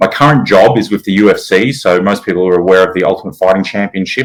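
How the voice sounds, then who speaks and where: Speaking at a very fast pace, a man with an Australian accent has a fairly low pitch. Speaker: sports dietitian. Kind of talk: online lecture. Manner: many fillers and repetitions.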